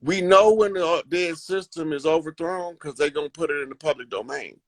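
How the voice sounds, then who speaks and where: A man's voice: fairly high pitch, brisk, a bit bright, no echo. A man giving a confident, rambling talk in a casual conversational style. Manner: confident, emphatic, rambling with fillers. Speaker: host.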